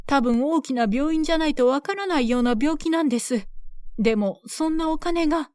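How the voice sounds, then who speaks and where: A woman playing an exhausted village mother at the end of her strength, pleading with her neighbors and close to tears. The voice rides high and strained. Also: lively intonation, brisk, a little mellow, no echo. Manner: pleading, desperate and tearful. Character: worn-out poor mother pleading for her son.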